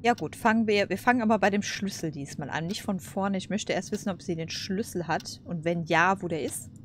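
A woman's voice: mid-range voice, brisk, slight background noise. A woman casually commenting over a game, chatty, laughing and cursing at setbacks. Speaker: let's play host.

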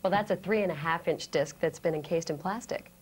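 An American woman in her thirties presenting a scripted training lesson, explaining things clearly step by step. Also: on the low side, fairly quick, slight background noise. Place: indoor studio set.

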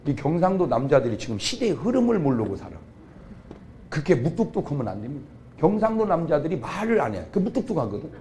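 A middle-aged man, a pastor, preaching a comic revival sermon, jumping from quiet asides to sudden shouts. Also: on the high side, big pitch swings, fast, a little hiss or hum. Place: church revival meeting.

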